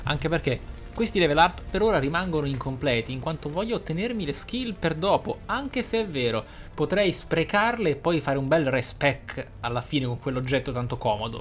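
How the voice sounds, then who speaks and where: A man's voice: medium pitch, a bit bright. A man giving reflective, emphatic let's play commentary as a gaming host.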